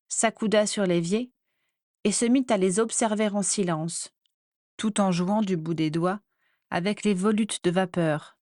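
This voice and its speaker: A woman narrates a fantasy audiobook in a measured, clear storytelling voice at a middle pitch. Her reading is recorded dry and close. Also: a little mellow, dry recording. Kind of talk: scripted narration.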